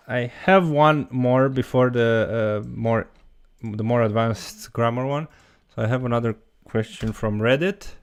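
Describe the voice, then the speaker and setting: A man's voice: mid-range voice, darkish tone, clear, resonant tone, no echo. A man teaching a language, answering viewer questions in a casual livestream and thinking aloud as he goes. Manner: loose, talks while thinking aloud.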